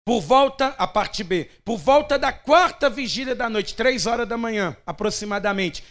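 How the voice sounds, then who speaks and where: High-voiced pastor preaching. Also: male voice, a bit bright. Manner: emphatic, dramatic preaching. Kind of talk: sermon.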